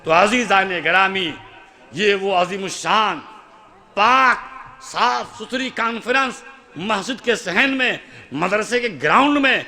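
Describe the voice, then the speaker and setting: A man's voice: high-pitched, animated, bright, forceful tone. A man preaching a sermon at an outdoor religious gathering, speaking in an oratorical manner and leading the crowd in chanted invocations. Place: outdoor conference in a mosque courtyard.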